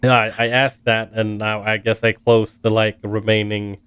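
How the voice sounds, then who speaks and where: A man's voice: on the low side, level tone, normal speed, fairly bright tone, clear, resonant tone, no echo. A man talking casually as a player in a tabletop game.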